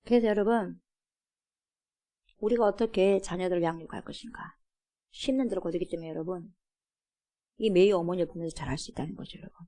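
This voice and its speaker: A woman's voice: lowish voice, a little fast, pauses often, dark tone. A woman pastor preaching a sermon in a church, emphatic, calling out to the congregation and asking rhetorical questions. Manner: emphatic, many rhetorical questions and repeated "여러분". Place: church sanctuary.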